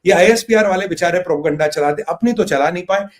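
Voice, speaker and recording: A man's voice: sits high, fast. A man hosting a political commentary show, talking in a mocking, theatrical way. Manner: mocking, theatrical, acts out quotes.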